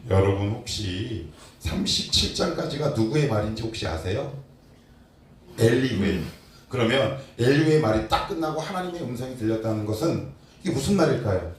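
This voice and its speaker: A male pastor preaching a sermon, asking his congregation rhetorical questions and swinging between loud and soft. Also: mid-range voice, sing-song, normal speed. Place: church sanctuary. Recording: very echoey hall, distant mic, faint noise.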